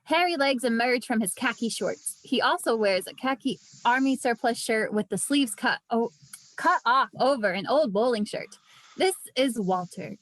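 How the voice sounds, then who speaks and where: A woman's voice: on the high side, rough recording. A woman narrating scripted stage directions at a table read. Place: indoors, remote online read.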